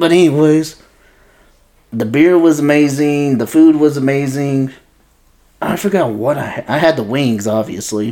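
A man's fairly high voice with a dark, mellow tone, a Texan accent, and long, frequent pauses. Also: ordinary pitch variation, moderate pace. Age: 20s. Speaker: podcast co-host. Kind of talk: casual chat.

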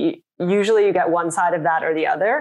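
Speaking at a fairly quick pace, a woman with an American accent has a medium pitch and an unremarkable speaking voice. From New Jersey. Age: 30s. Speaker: podcast host. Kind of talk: casual interview.

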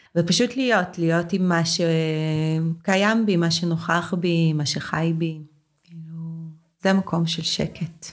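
A woman speaks at a very slow pace with fairly even intonation. Her pitch is fairly low. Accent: Russian. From Russia, Saint Petersburg until age 11, then Israel. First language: Russian (speaking Hebrew). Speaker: therapist. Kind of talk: casual interview chat. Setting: small improvised home studio.

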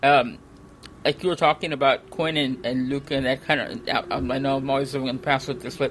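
At a fairly quick pace, a man uses an ordinary speaking voice, his pitch varying in an ordinary way. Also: fairly high pitch for a man. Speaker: sports podcast co-host. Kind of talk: casual sports podcast chat.

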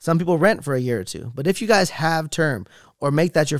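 On a very clean recording with a silent background and a dry, close sound with no echo, a man with a plain, everyday voice talks at a moderate pace with ordinary pitch variation. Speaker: life insurance agent. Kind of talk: casual interview. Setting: studio. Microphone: good mic.

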